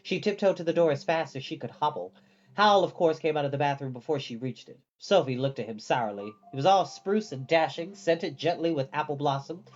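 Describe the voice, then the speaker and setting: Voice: mid-range voice, fairly quick, highs cut off. A storyteller reading a fantasy novel aloud as scripted storybook narration.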